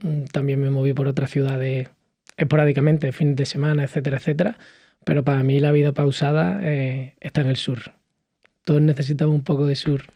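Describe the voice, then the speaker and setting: A man from Cádiz in his thirties, speaking as a podcast guest in a lively conversational way, with frequent fillers and restarts. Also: mid-range voice, brisk, dry recording. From southern Spain, Cádiz. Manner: animated storytelling with many fillers and restarts. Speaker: podcast guest, hospitality entrepreneur. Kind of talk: conversational interview.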